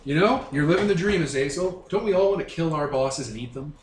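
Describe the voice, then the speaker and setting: A man playing a breezy, flattering radio talk-show host who chats indulgently with his guests in a showman's patter. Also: fairly high pitch, brisk, roomy sound, a little hiss or hum, lightly acted. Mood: indulgent, upbeat. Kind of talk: radio interview role-play.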